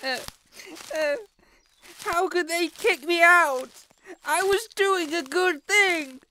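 A man's voice: very high voice, takes it slowly, sharp tone, slight background noise, heavily acted. A man voicing an indignant, insecure young superhero in an audio roleplay, whiny, pompous and melodramatic. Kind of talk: scripted audio roleplay acting.

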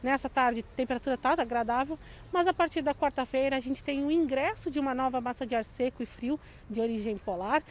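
A young adult woman meteorologist explaining the forecast in a measured way, speaking into a handheld mic outdoors on a city street. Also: sits high. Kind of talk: live outdoor weather interview. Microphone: handheld reporter mic. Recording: faint outdoor street noise. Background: faint street traffic.

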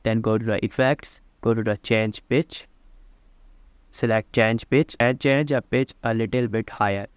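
A man giving plain step-by-step instructions over a screen recording of a software tutorial. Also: on the low side, fairly even intonation, clean tone, dry recording. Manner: plain step-by-step instructions, slightly halting phrasing. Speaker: tutorial presenter.

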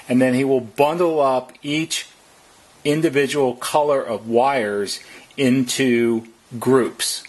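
A man's voice: mid-range voice, husky. A man narrating a step-by-step how-to as a technician, explaining plainly and methodically. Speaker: repair technician giving instructions.

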